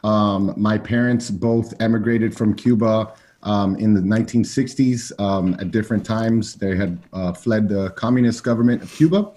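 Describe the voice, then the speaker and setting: Male American interview guest, mellow and relaxed, lower pitch, conversational personal storytelling. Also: moderate pace, few pauses. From Miami, Florida, USA.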